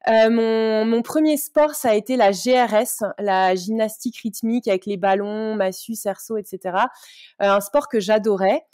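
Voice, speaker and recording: A woman in her thirties, a sports coach from the Paris region, answering interview questions in a friendly, halting way with many fillers. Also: on the high side, darkish tone, dry recording, studio quality. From Paris region, France. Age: 30s. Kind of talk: casual interview talk.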